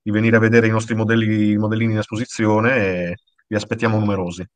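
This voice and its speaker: A man's voice: lowish voice, level tone, fast, no room sound. A middle-aged man chatting casually, hesitant and repeating his phrases. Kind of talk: casual chat. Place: room at home, on a video call.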